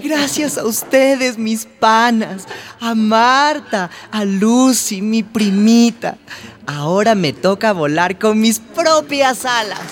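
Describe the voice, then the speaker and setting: A woman's voice: a little high, expressive, takes it slowly. A woman playing a hopeful, sensitive young trans woman who confides her life story in a radio drama. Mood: happy, playful. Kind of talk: radio drama narration and dialogue.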